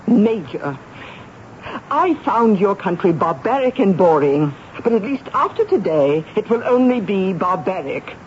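A woman's voice: mid-range voice, very animated, unhurried, darkish tone. An actress playing a haughty, indignant noblewoman with an imperious, cutting manner in a 1970s radio drama. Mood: imperious disdain. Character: haughty, indignant English noblewoman, accused as a conspirator. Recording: muffled, lightly noisy 1970s radio recording.

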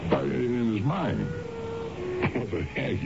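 A man's voice: mid-range voice, wildly swooping pitch, very slow, creaky, noisy background, heavily acted. An actor playing an irritable, weary husband in his mid-forties in a radio drama, grumbling, sardonic and hesitant. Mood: bitter, brooding. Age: middle-aged. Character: irritable, weary 45-year-old suburban husband, evasive and brooding. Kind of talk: 1970s radio drama acting. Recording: dull, lo-fi old radio broadcast.

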